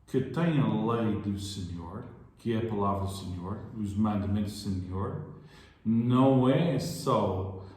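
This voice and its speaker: A man's voice: fairly low pitch, a little slow, darkish tone, a little hiss or hum. A man from outside Portugal leading a Bible study discussion, asking probing questions and searching for words as he goes. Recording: very echoey room.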